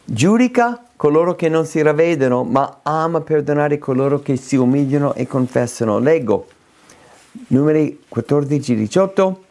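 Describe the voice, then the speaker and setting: A man's voice: fairly high pitch, animated, moderate pace, a little mellow. A man preaching a sermon, reading scripture and repeating key phrases with emphasis.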